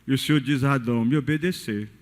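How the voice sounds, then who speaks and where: A man preaching a sermon in a cathedral at an evening service, asking rhetorical questions and swinging his pitch widely. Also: quick pace. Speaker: pastor. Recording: long reverb of a large church hall.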